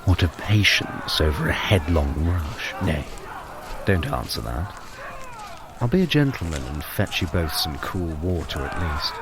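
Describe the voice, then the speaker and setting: An actor playing a sly, exasperated trickster god in an audio drama, with an arch, courtly manner. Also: male voice, very deep voice, big pitch swings, unhurried, noisy background, exaggerated voice. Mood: smooth, mocking.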